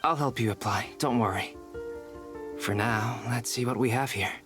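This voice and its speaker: A man's voice: mid-range voice, normal speed, natural voice. An actor playing an earnest young male researcher in a video game, speaking formally and analytically. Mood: calm, helpful. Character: earnest scholarly young man, meticulous inventor and researcher. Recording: game music behind the voice.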